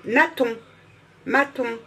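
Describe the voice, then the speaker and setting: A woman's voice: fairly high pitch, extremely slow, pushed and bright, a little hiss or hum. A woman vlogger in casual, gushing chat, fumbling and apologizing as she reads out names. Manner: fumbles and restarts while reading labels.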